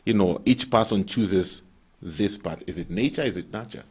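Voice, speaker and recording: A man with a Kenyan accent hosting a talk show, telling stories and asking questions in a lively way. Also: low voice, normal speed, slightly rough. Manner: animated storyteller who poses questions. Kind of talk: casual talk-show discussion.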